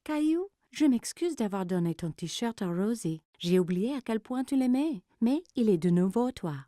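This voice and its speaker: A woman voicing a gentle, caring mother in a children's cartoon, speaking tenderly and encouragingly. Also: on the high side, animated, moderate pace, no echo, studio quality, lightly acted. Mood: apologetic.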